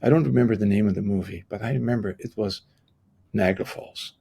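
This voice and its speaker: Gravelly, husky middle-aged Iranian man. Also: fairly low pitch, fast talker, mellow. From Iran. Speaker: podcast guest, transformational coach. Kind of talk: reflective personal storytelling in an interview.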